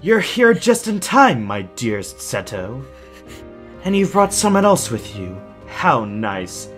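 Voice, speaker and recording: A man's voice: medium pitch, big pitch swings, slow, a bit bright, faint music behind. An actor playing a deranged, genteel villain in an audio drama, formal and mocking, savoring his words with menacing sweetness. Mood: gleeful.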